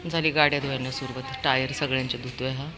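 A woman's voice: a bass voice, fairly even intonation, quick pace, over music. A woman filming her dog, coaxing and calling him in a singsong voice between casual remarks.

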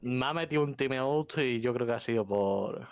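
A man's voice: mid-range voice, moderate pace, no echo, clean studio sound. A man with an accent from Spain, chatting casually with gaming friends over voice chat. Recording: clearly noisy voice chat.

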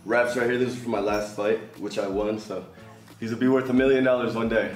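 Easygoing fast-talking young man. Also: fairly low pitch, fairly even intonation, soft background music. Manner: easygoing, chatty, laughs between phrases. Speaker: dating show contestant. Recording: roomy studio sound, mic a little distant.

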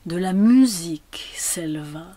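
A woman reads literary prose in a slow, deliberate way, often dropping to a near whisper. Her voice sits on the low side and stays measured and quiet throughout. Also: lively intonation, no room sound. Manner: slow, measured, hushed narration. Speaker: reader. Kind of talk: literary reading.

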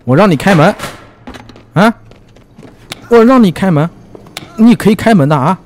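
A man giving lively, teasing commentary as he plays a video game, full of exclamations. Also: high-pitched, normal speed. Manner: excitable, teasing, frequent exclamations and laughs. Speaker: gaming YouTuber. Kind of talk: let's play commentary.

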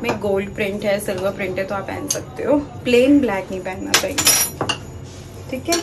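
A woman's voice: mid-range voice, steady tone, fairly quick, background noise. A young adult woman vlogging casually at home, chatting directly to her viewers. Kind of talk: casual family vlog chat.

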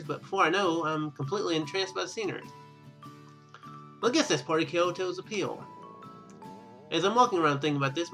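A man's voice: fairly high pitch, a bit bright. A young man hosting a casual game playthrough, reading narration aloud and commenting, sometimes stumbling over words and rereading them. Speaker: let's play host. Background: game music.

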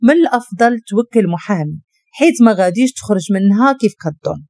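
Woman doing a sneering Moroccan cop, lively taunting delivery. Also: mid-range voice, fairly quick, no echo, clean studio sound. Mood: mocking. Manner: sarcastic, taunting. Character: mocking male police officer.

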